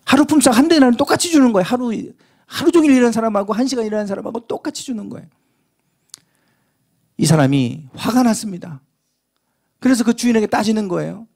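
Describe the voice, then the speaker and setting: A man preaching a sermon as pastor, telling a parable with lively acted-out dialogue. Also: very high voice, quick pace, creaky, pauses often. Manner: animated storytelling, acting out the parable's dialogue.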